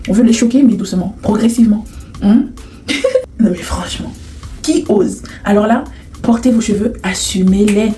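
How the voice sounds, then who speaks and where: A woman's voice: medium pitch, moderate pace, warm tone, slight background noise. Sassy, teasing French-speaking woman vlogger. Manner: sassy, teasing, laughs often. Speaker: hair vlogger. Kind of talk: casual to-camera vlog.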